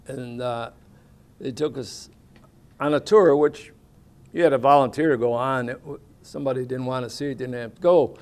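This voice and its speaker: An older American man tells his service memories in a rambling, homespun way. His voice has a gravelly fry, and he often stops on "uh" between thoughts. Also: mid-range voice, darkish tone. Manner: rambling, plainspoken with folksy grammar and many fillers. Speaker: veteran interviewee. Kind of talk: oral history interview, casual recollection.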